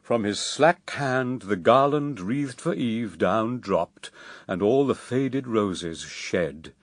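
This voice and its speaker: Slow, expressive male epic narrator. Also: fairly low pitch, no echo, studio quality. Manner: grave, theatrical, measured. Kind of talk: dramatic epic verse narration.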